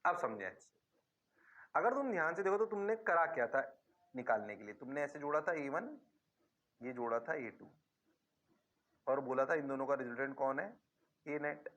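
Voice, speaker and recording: A man's voice: medium pitch, expressive, moderate pace, long pauses, fairly bright tone, dull audio. A man teaching physics in a classroom lecture with an Indian accent, who drags out his words and playfully answers himself in the students' voice.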